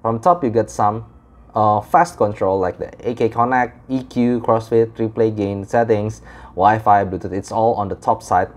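A young man from Indonesia with an Indonesian accent gives a casual, unscripted product review in halting, explanatory English. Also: fairly low pitch, darkish tone. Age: young adult. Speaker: audio gear reviewer.

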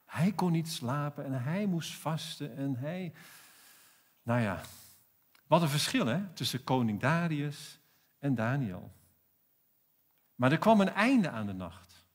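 Man, pastor, South African accent, sermon, slow measured delivery, slightly high voice, emphatic rhetorical questions. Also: very animated. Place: church.

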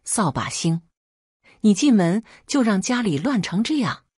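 A woman's voice: deep voice, sing-song, normal speed, a little mellow, husky, no room sound, studio quality, exaggerated voice. A woman reading the lines of a spoiled, hot-headed younger brother who snarls and resents. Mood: resentful.

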